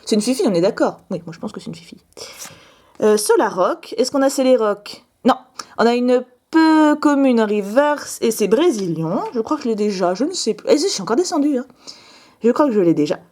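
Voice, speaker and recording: A young woman vlogger opens trading cards while chatting casually to the camera, bubbly and playful, laughing often and putting on a southern French lilt. Her voice is fairly high, warm, fast and sing-song, with a breathy edge.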